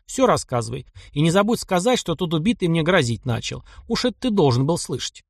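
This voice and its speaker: A man reading the lines of a cocky, sharp-tongued young male taiga hunter in an audiobook. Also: on the high side, sing-song, a little fast, creaky, husky, dry recording, studio quality, voice pushed up, heavily acted. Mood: instructive. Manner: cocky, sarcastic retorts.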